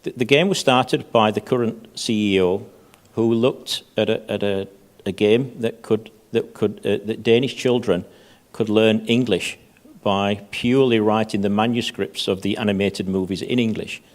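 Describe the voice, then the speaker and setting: Low-voiced man, halting conference panelist. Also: fairly even intonation. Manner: halting, repeats words often. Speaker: panelist, head of safety. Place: conference stage.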